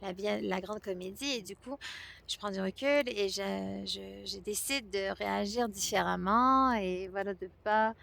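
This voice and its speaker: Québécois accent woman, raspy fry in her voice, talks slow and unsure outdoors. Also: mid-range voice, fairly even intonation, a bit bright. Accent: Québécois French. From France and Quebec. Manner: hesitant, many pauses and fillers. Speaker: vlogger sharing a fasting experience. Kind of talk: reflective personal talk to camera. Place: outdoors at a spot near hummingbirds.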